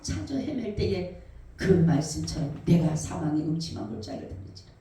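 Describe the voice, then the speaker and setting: A woman's voice: on the low side, animated, a little fast. A woman pastor preaching a sermon with passion, her voice rising into cries and dropping to near whispers as she acts out quoted words. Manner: impassioned preaching, acting out cries and quotes with swings of loudness. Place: church sanctuary. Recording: roomy echo, voice from far off.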